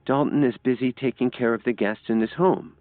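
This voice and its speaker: A man voicing a shy, anxious young woman in an audiobook, talking softly and hesitantly. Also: medium pitch, steady tone, brisk, no echo, voice pushed up, lightly acted. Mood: worried. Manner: soft, hesitant and worried. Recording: dry, tinny phone-like sound.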